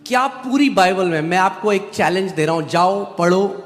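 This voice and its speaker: Brief: high-pitched male preacher, emphatic and rising, long hall reverb with soft music under him. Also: lively intonation, normal speed. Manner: emphatic, switching between Hindi and English. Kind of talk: sermon with interpreter. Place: church hall.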